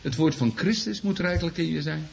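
A man's voice: fairly high pitch, brisk, creaky, slight background noise. A man preaching a sermon to his congregation, earnest and exclaiming, often repeating himself as he restarts sentences. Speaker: pastor. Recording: dull lo-fi recording.

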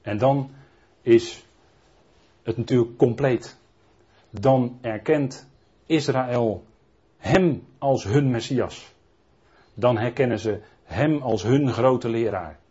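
Male preacher, husky, rambling Bible-study delivery full of restarts, muffled low-fidelity recording. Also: slow pace, long pauses, dark tone. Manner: rambling, frequent tag questions and restarts. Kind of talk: Bible teaching sermon. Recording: dull lo-fi recording.

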